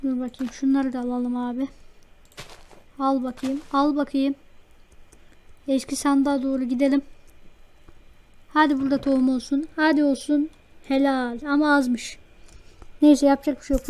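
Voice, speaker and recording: A woman hosting a let's play, chatting to herself and her viewers as she plays, easily excited. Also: high voice, moderate pace, long pauses. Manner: chatty, talks to self while playing, easily excited. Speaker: gaming channel host. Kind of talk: let's play game commentary.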